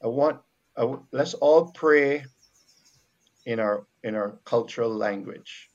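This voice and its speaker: This is a Barbadian missionary guest with a Bajan accent discussing faith casually; he speaks thoughtfully but haltingly, often beginning again. The voice is mid-range and the recording sounds dull.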